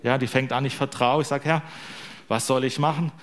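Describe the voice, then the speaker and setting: A man's voice: mid-range voice, fairly even intonation, fairly quick. Male lay preacher, mid-range voice, chatty and joking, tags his lines with questions to the room. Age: young adult to middle-aged, a father. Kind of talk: informal sermon.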